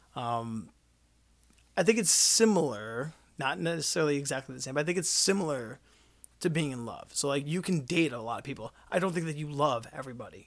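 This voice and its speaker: Fairly quick speech from a man, fairly high in pitch, with lively intonation. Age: 20s. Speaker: podcast host. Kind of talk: casual solo podcast monologue. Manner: halting, many fillers.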